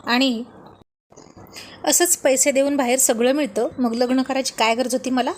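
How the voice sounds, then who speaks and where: A woman voicing a quick-tempered husband who grumbles and snaps at his wife. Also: sits high, steady tone, a little hiss or hum, close to an everyday voice. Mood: irritated. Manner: grumbling, irritated.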